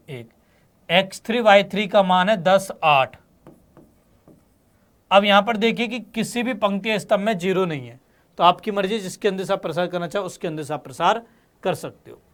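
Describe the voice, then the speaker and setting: A man's voice: high-pitched, a bit bright. A man teaching maths to students, explaining each step patiently and often checking that they follow. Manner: addresses students as beta and bachche, frequent check-ins. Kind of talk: classroom lesson explaining solutions step by step.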